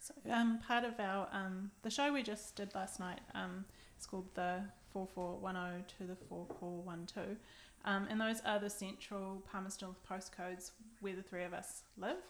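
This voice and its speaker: Fairly even intonation marks a woman's voice in a New Zealand accent. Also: medium pitch for a woman, moderate pace. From New Zealand, Taranaki. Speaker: writer and former teacher. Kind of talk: casual conversation.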